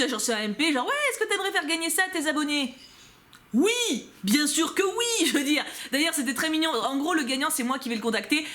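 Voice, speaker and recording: A young woman with a French accent, chatting casually to her viewers as she unboxes a subscription box, giggling and breaking into quick asides. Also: fairly high pitch, a bit bright.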